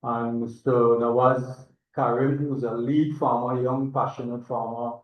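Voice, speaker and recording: A man's voice: mid-range voice, level tone, a little slow. An older man with a Trinidadian accent gives an informal conference presentation as an agronomist, speaking in a hesitant, reflective, digressive way. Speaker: agronomist and institute chairman, presenter. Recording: echoey, distant, dull online-meeting audio.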